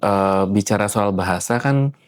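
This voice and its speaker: Deep-voiced male host, dry sound. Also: unhurried, clean tone, dry recording. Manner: frequent backchannel "hmm", brief follow-up questions. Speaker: interview host. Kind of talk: interview conversation.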